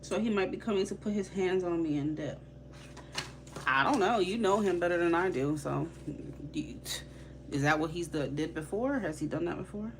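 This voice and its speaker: A woman's voice: on the low side, lively intonation, moderate pace, slight background noise. A young woman with a Haitian accent, giving live tarot readings in a casual, slangy, chatty way and laughing easily. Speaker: tarot reader.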